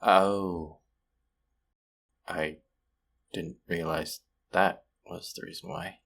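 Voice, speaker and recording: A man acting a friendly, sympathetic young man in an intimate, conversational audio roleplay, speaking gently and at times hesitantly. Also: big pitch swings, very slow, heavily acted. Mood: gentle, sympathetic. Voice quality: low, gravelly, husky.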